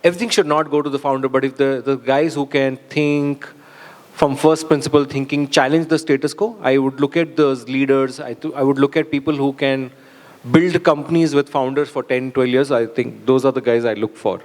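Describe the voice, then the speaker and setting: A man's voice: mid-range voice, steady tone, moderate pace, a little mellow. A man with an Indian accent giving informal advice on stage as a panelist, often restarting his phrases. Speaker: symposium panelist. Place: large indoor hall. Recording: long echo of a hall.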